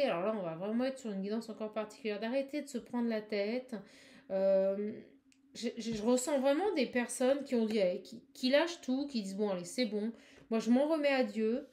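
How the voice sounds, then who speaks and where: A woman channels a live tarot-style card reading for viewers, speaking directly to the listener. She talks fast and effusively with many exclamations, in a slightly high voice with a dark tone.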